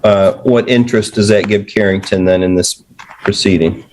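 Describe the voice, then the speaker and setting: Halting male judge on a courtroom recording. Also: fairly low pitch, fairly even intonation, a little mellow, a little hiss or hum, rough recording. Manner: measured, halting, frequent "uh" pauses. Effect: courtroom audio recording. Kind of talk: presiding over a court hearing.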